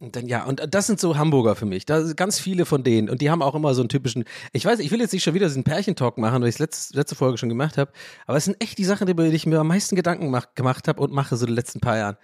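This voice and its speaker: A man hosting a podcast, talking in a rambling, animated way, often interrupting himself and laughing. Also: medium pitch, rapid-fire, dry recording, studio quality. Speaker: podcast host. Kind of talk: casual podcast monologue.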